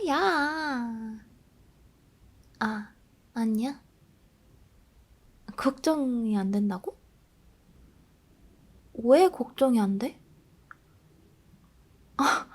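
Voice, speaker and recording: A woman in a soft role-play, playing a grumpy, sulky girlfriend who is on a diet and low on self-esteem.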